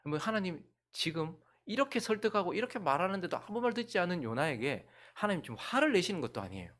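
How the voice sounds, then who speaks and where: Animated male pastor preaching. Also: high-pitched, fast. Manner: animated, swinging between loud outbursts and hushed whispers. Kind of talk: sermon.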